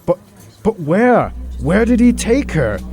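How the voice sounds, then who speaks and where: Doctor hero for audio drama male actor: earnest, agitated, determined, higher-pitched male voice. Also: big pitch swings, slow pace, a little mellow, slight background noise, heavily acted. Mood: worried, urgent. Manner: earnest, urgent.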